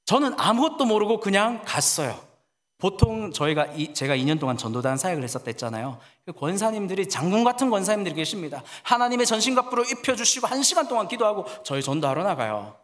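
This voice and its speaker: Guy pastor preaching, storytelling with acted-out quotes, kinda high voice, long echoey church hall. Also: fast talker. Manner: lively storyteller who acts out quoted people. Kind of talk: sermon storytelling.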